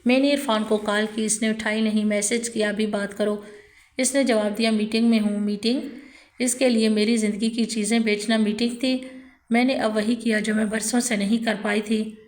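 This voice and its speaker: A woman telling a scripted first-person story in an even, steady reading. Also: on the high side.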